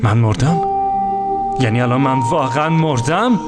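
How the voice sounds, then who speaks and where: A man's voice: mid-range voice, close to an everyday voice. A man voicing an injured young male hero in a cartoon dub, anxious and pleading. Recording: music loud underneath.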